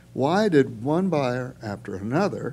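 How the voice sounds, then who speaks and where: Speech at a fairly slow pace shows vocal fry and very wide pitch swings. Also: man. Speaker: public commenter at zoning hearing. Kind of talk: public comment at a meeting. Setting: public meeting at a microphone. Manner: loud.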